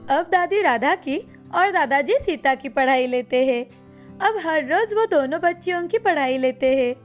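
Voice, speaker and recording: Female storyteller, high and clear, steady explanatory narration for a kids' cartoon. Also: a little slow, soft background music.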